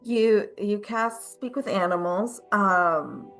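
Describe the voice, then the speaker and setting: Unhurried woman game master. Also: medium pitch, a bit bright, soft background music. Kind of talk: casual tabletop game narration.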